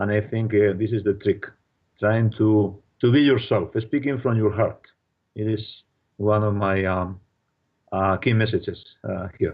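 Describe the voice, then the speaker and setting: Speaking at a fairly slow pace with a Spanish accent, a man with a fairly low pitch keeps his intonation fairly even and leaves long, frequent pauses. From Spain. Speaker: project management consultant. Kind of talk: interview. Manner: halting, many fillers.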